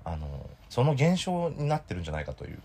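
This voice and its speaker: A man in his thirties with a hoarse throat, co-hosting a casual podcast chat in a playful, jokey way. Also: mid-range voice, huge pitch swings, fast talker, mellow. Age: 30s. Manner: playful, jokey, drifts into bits. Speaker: podcast co-host.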